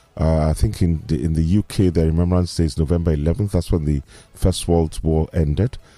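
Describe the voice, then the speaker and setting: Set against a silent background in a very clean recording, the voice has a dark, mellow tone, ordinary pitch variation and a moderate pace. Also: man, very even loudness. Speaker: radio sports show host. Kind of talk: casual chat. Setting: radio studio.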